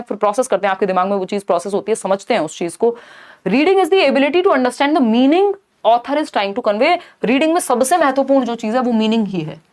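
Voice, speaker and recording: A woman teaches an exam-prep lesson in a fairly high voice. She reads each question out slowly and carefully. Then she speeds up to explain it, asking rhetorical questions and answering them herself. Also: a little mellow.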